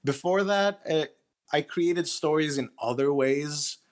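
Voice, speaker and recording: A man in his thirties speaking candidly and casually as an interview guest, with a halting, self-effacing manner. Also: on the high side. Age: 30s.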